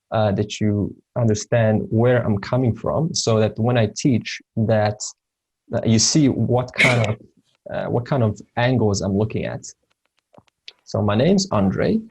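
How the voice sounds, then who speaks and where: Serbian guy, first language serbo-croatian, teaching casually, kinda low husky voice, lots of uhs and ums. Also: a little mellow, poor audio. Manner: hesitant, many fillers and restarts. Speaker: spiritual teacher. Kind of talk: informal lesson talk.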